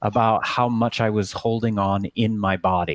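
A man with an American accent on a very clean recording, the background silent. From Texas. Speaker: yoga teacher and author. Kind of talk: interview.

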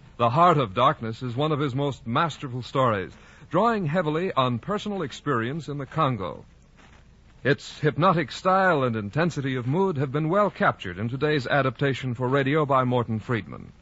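This man has a plain, everyday voice with a fairly high pitch. His intonation is lively and his pace fairly quick. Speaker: radio announcer. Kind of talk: formal radio announcement, scripted. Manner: formal, polished, crisp mid-century announcer delivery.

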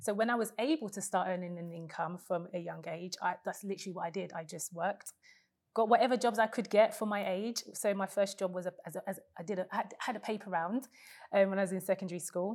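Speaking with a London accent at a very fast pace, a woman uses a medium pitch and ordinary pitch variation. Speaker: personal finance author and blogger. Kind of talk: live interview with audience Q&A. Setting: stage with audience.

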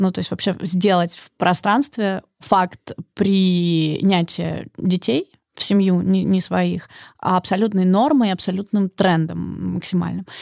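The woman's voice sits at a medium pitch. She speaks at a very slow pace, and the sound is dry and close with no echo. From Moscow region, Golitsyno. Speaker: PR agency founder. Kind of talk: interview conversation.

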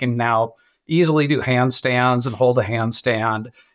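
A man at medium pitch and a moderate pace, in an ordinary speaking voice. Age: 60s. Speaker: fitness program member. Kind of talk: interview.

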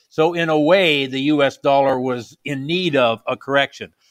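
Here a man uses a normal speaking voice, fairly high in pitch, with ordinary pitch variation and a moderate pace. The sound is dry and close with no echo, in a very clean recording with a silent background. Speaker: market analyst. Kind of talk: interview.

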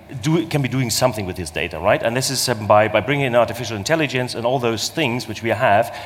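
A man's medium-pitched voice with lively intonation, plus noticeable background noise. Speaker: fintech founder. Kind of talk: panel discussion. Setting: stage with audience.

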